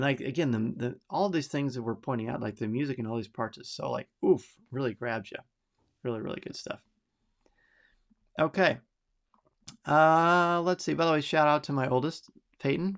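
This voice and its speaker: A middle-aged man hosts a live podcast, reading out listener picks and reacting to them in a chatty, enthusiastic way. His voice is medium in pitch with a fairly bright tone.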